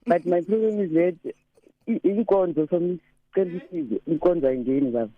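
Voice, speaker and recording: A woman in her thirties with a deep voice, calling a radio show and mixing English with Zulu. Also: brisk. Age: 30s. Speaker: caller. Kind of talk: phone-in call to a radio show. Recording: tinny phone line, dry.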